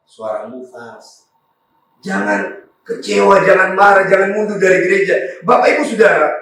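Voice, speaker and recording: A raspy-voiced male pastor, preaching fervently to a congregation. His voice sits slightly high. The sound is very echoey, picked up from across a church hall. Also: a little fast, fairly bright tone, far from the mic, slight background noise. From Maluku. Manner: fervent preaching with frequent congregation address and hallelujahs. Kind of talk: sermon.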